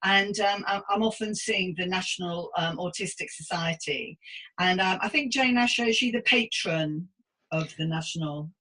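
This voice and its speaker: A woman's voice: fairly low pitch, moderate pace, sharp tone, low-quality recording. A woman in her fifties hosting a casual interview, chatty, effusive and encouraging with her guest. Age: 50s. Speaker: podcast host interviewing a guest.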